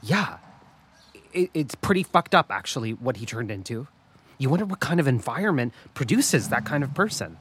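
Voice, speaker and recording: An actor playing a hurt, sarcastic young gay customer-service rep with a halting, passive-aggressive way of talking in an audio comedy-drama. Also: male voice, medium pitch, big pitch swings, fairly bright tone, husky. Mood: unsettled, reflective.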